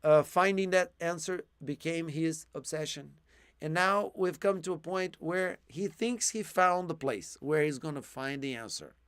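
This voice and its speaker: A male English teacher explaining vocabulary slowly over a video call, with plenty of ums and restarts. His voice sits a little high and sounds dry and close, and he is starting to lose it. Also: fairly bright tone, clean tone, dry recording. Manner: patient explaining, with frequent fillers and restarts. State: losing his voice. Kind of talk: live online one-to-one English lesson.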